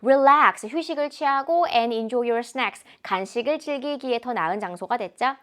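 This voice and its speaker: A woman English teacher explaining exam answers in a lecture, animated and mixing in English examples. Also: fairly high pitch, measured pace. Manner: animated, switches between Korean and English examples.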